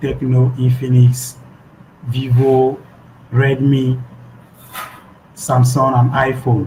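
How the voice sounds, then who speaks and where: There is noticeable noise in the background. Over it, a man talks in a medium pitch. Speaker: Bitcoin community member from Nigeria. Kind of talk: video call Q&A.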